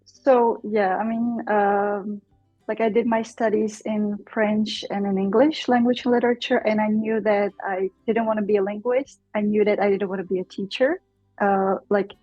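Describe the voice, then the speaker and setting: A young adult woman from the Czech Republic with a Czech accent, a Czech teacher speaking English casually as an interview guest, thoughtful and pausing often. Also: mid-range voice, fairly even intonation, dark tone, dry recording, highs cut off, soft background music. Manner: thoughtful, many fillers and restarts.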